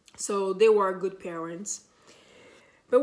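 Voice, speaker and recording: A woman with a Portuguese accent speaks at a fairly slow pace and a medium pitch. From Brazil, Salvador, Bahia. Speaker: ex-Jehovah's Witness YouTuber. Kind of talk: personal testimony monologue. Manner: halting, searching for words.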